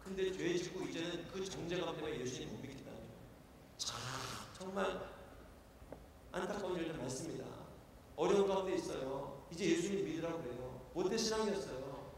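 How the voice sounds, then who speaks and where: A man preaching a sermon as pastor, earnest, shifting from hushed pleading prayers to loud exhortation. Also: a little high, animated, brisk, a little hiss or hum. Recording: echoey church hall, voice from far off.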